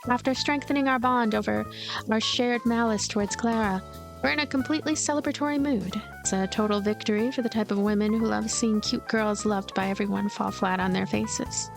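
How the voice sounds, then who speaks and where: Bright-pitched woman narrating a story game. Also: steady tone, a little fast, creaky, over music. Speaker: let's player reading game text aloud. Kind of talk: voiced story narration with casual commentary.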